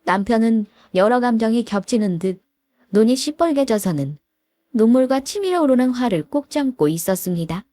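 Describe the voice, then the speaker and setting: Lively, confiding woman storyteller. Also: fairly high pitch, normal speed, no echo. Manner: confiding, addresses listener with questions. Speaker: narrator. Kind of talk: first-person story narration.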